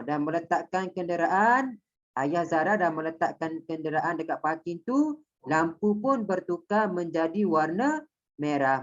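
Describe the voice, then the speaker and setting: A woman's voice: on the low side, muffled recording. A woman teacher with a Malaysian Malay accent, explaining a lesson step by step and checking that her pupils understand. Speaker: primary school Malay teacher. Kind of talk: online class lesson.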